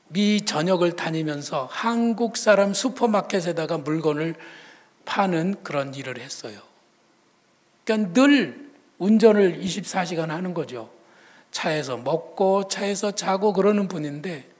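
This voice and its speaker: High-voiced male pastor telling stories. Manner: conversational storytelling, swings between loud and hushed. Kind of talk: sermon.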